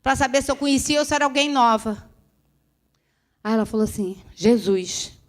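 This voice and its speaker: A woman's voice: high voice, a little fast. A woman giving a dramatic, emotional church testimony, speaking to the congregation. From Brazil. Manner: dramatic storytelling, addressing listeners as beloved.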